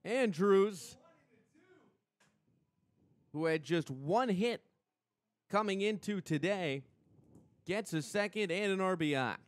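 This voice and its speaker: A young American man doing live radio play-by-play commentary of a softball game as the announcer. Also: high-pitched, dry recording. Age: young adult. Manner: measured between plays, excited on big plays.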